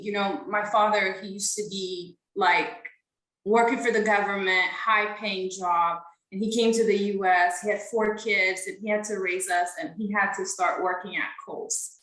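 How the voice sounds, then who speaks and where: A woman's voice: medium pitch, bright, forceful tone, roomy sound, rough recording. A young woman from Ethiopia, a podcast guest, answering interview questions in an earnest, casual way with frequent fillers.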